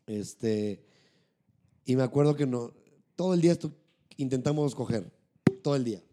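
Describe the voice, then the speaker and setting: Over a noisy background, a young man with a Mexican Spanish accent shares personal stories in a casual podcast chat at normal speed. His voice is mid-range, and he's an animated storyteller who acts out other people's lines.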